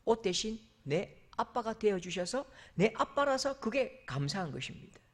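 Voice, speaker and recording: A male pastor preaches a sermon in a church sanctuary, his high voice swinging widely in pitch at a moderate pace. He is emphatic, rising to loud exclamations and dropping to soft asides.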